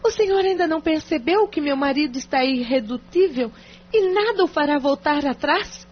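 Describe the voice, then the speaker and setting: A high-pitched, bitter wife on the edge of separation, resigned and exasperated, as an actress plays her. Her lines come through a dull, muffled, lo-fi recording. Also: animated, normal speed. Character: bitter married woman facing separation. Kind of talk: audio drama acting.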